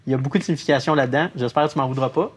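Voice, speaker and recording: A man's voice: mid-range voice, racing, slight background noise. A man, a dating show participant, playful and teasing.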